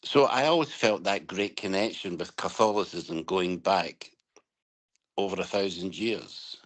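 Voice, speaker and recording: A middle-aged man with a Scottish accent and a fairly low voice. He talks in a relaxed, reflective way, telling stories with the odd chuckle. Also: measured pace. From Scotland. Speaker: guest. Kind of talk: relaxed interview conversation.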